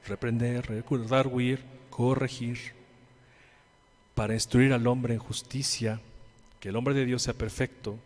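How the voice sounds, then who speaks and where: Mexican male pastor, mid-range voice, preaches with questions, loud then hushed, long church reverb. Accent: Mexican Spanish. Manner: preaching with rhetorical questions and call-and-response; swings between loud emphatic lines and quiet low ones. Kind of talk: sermon.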